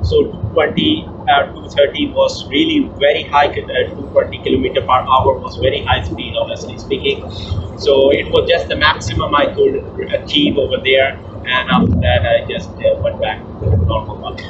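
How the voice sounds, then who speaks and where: Loud background noise under a man's moderately paced speech. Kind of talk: casual vlog chat. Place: car. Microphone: phone near.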